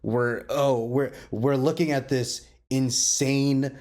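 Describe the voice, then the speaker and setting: A man hosting a casual roundtable, enthusiastic and halting as he circles back over his words. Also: mid-range voice, steady tone, a little mellow. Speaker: podcast host.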